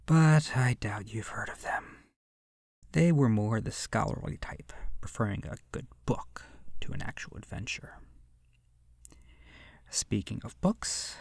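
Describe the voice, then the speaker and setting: Slow, creaky, seductive vampire played by a man. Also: on the low side, no room sound, full character voice. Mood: wistful storytelling. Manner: slow, hushed, lingering pauses, breathy whispering. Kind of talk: ASMR horror roleplay monologue. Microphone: close microphone.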